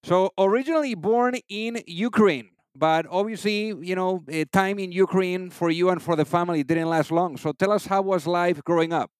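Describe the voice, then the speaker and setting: A man's voice: high-pitched, normal speed, hardly any pauses, clear, resonant tone, no room sound. A man hosting an interview podcast, introducing his guest with enthusiasm and asking long, winding questions. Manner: enthusiastic, rambling, filled with "you know". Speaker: podcast host.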